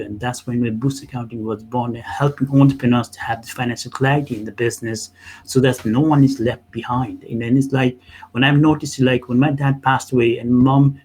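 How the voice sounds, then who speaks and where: A man who comes from Nepal talks in a conversational interview as a business owner. His delivery halts and doubles back on words, with rhetorical questions worked into his storytelling. The pitch sits in an ordinary middle range for a man. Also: darkish tone, low-quality recording.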